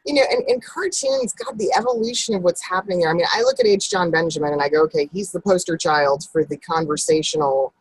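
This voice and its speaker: A woman voiceover coach chatting casually in an interview, animated, with big upward jumps in pitch when she stresses a point. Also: fast, few pauses, breathy edge, rough recording.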